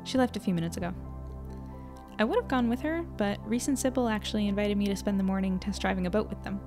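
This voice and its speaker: A woman's voice: medium pitch, natural voice. A woman playing a curious, self-doubting young journalist in an audio drama, earnest and conversational. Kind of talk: audio drama acting and diary narration.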